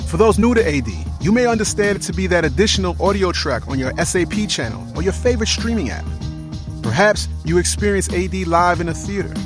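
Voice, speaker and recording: A man hosting and producing a podcast, narrating a scripted intro with dramatic pauses on key phrases. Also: high-pitched, lively intonation, over music.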